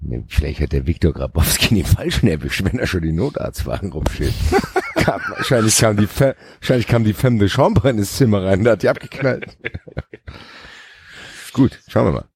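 A man co-hosting a casual podcast who keeps chiming in with lively running commentary. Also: lowish voice, moderate pace, vocal fry, husky. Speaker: podcast co-host.

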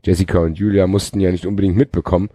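A man's voice: low voice, little pitch movement, very fast, warm tone, no echo. A man hosting a podcast, reading a novel aloud with joking asides. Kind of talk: casual read-aloud with banter.

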